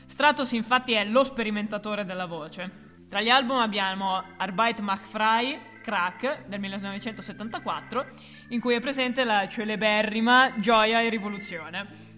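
Bright-voiced woman, deadpan explainer. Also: medium pitch, moderate pace, long reverb tail, soft background music. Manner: deadpan, ironic asides. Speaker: co-host of a music history video. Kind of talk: scripted explainer with playful banter.

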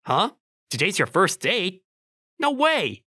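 Awkward single young man, played by a male actor, wry and self-questioning, animated delivery for a manga romcom. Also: high voice, slow pace, husky, no room sound, studio quality, heavily acted. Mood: surprised. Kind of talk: manga dub acting and narration. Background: music.

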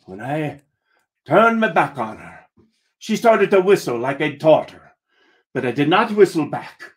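Guy telling a pirate story, slow and dramatic, lots of pitch movement. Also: sing-song. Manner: deliberate, theatrical, narrates as a pirate. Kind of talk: dramatic first-person comic storytelling.

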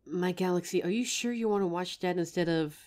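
A woman voicing a gentle young female werewolf girlfriend in an audio roleplay, speaking tenderly and slowly through a grounding exercise. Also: on the low side, lightly acted. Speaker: voice actor.

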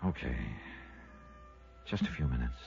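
An American man playing a tough, sardonic but soft-hearted investigator in a 1950s radio drama, with clipped, wry delivery. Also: rumbling low, unhurried, soft background music. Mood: softened, awkward. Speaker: lead actor and narrator. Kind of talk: 1950s radio detective acting. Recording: dull, muffled vintage radio recording.

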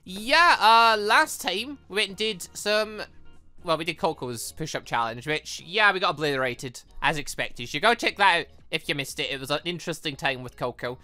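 A man's voice: a little high, lively intonation, moderate pace, pushed and bright, no echo, faint music behind. A man hosting a video game playthrough in a casual, rambling way, chatting about his plans and reading game text aloud. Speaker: let's-play host. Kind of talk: casual gameplay commentary.

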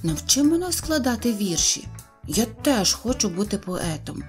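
A woman voicing a boastful, excitable tiny boy-like man who talks eagerly and shouts when excited. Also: mid-range voice, moderate pace, soft background music, lightly acted.

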